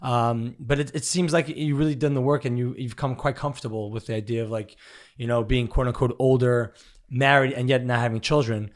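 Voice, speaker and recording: Fast-talking man in his thirties. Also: medium pitch, fairly even intonation. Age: 30s. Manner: rambling, many fillers and restarts. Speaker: podcast host. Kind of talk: casual interview talk.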